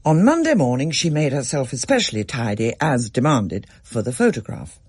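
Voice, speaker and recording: Husky, animated story reader, dry studio sound. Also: medium pitch, normal speed, dry recording. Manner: expressive, varied storytelling. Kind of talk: scripted story reading.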